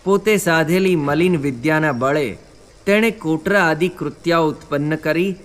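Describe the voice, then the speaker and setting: A man narrating a scripted devotional story in a measured, solemn way. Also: fairly high pitch.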